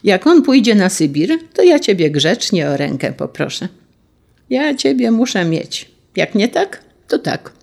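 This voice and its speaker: A woman's voice: mid-range voice, very animated, measured pace, gravelly, a little mellow, voice pushed up, heavily acted. A woman voicing a sweet-voiced, menacing male tsarist general who speaks with a drawling, sing-song delivery. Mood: coaxing.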